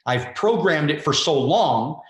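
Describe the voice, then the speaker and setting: A man's voice: fairly high pitch, lively intonation, measured pace, a bit bright. A man in his forties, a guest wealth coach, talking in an emphatic, casual way, repeating words and swearing freely. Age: 40s. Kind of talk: motivational conversation. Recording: roomy echo.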